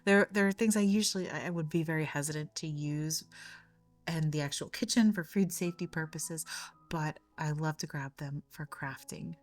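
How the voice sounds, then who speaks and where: A woman hosting a craft tutorial, talking through each step in a chatty way, her voice slightly raspy and hoarse from a cold. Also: low-pitched, normal speed. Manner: chatty, step-by-step, frequent small repeats. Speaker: craft channel host. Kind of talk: casual craft tutorial narration.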